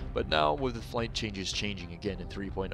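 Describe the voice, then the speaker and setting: Music plays behind the speech. A man talks with lively intonation. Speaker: gaming video host. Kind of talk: casual game commentary.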